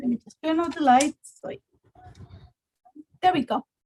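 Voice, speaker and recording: Speaking with a Spanish accent, a woman uses a high pitch and lively intonation in a dry, close sound with no echo. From Ecuador. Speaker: craft instructor. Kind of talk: live craft tutorial. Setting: live stream. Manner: casual, chatty.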